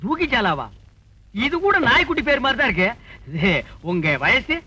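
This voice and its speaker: A man's voice: very high voice, very animated, moderate pace, pushed and bright, husky, lo-fi sound, full character voice. An actor playing a vain, boastful village man posing as a head constable, who talks pompously and drops broken English into his lines. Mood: flirting. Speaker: comic actor in a film scene. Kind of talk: film comedy dialogue.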